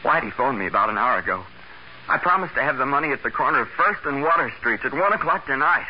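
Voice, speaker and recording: A man's voice: medium pitch, animated, fast, breathy edge. An actor playing a desperate, blackmailed young man in a 1940s radio crime drama. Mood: despairing, tense. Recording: dull, hissy 1940s radio recording.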